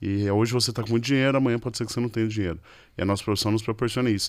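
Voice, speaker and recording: The recording is very clean, with a silent background. A man talks at a very fast pace. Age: 30s. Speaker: real estate entrepreneur and speaker. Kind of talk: podcast interview.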